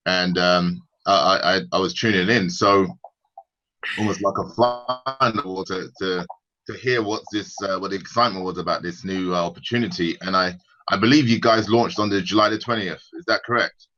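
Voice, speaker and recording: A man's voice: low-pitched, moderate pace, lo-fi sound, soft background music. A man with a British accent, a guest telling his story casually on a video call, often restarting his sentences. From United Kingdom. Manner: relaxed, conversational with frequent restarts.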